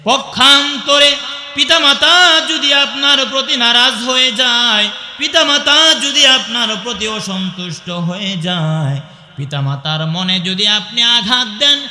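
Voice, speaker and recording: A man with a Bangladeshi Bengali accent delivers a waz sermon, moving from slow, drawn-out chanted recitation into preaching that calls out to the crowd. His voice sits high and sounds piercingly bright. Long reverb from a large hall rings around every phrase. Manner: chants Arabic verses in a slow singsong, then preaches with rising calls to the crowd.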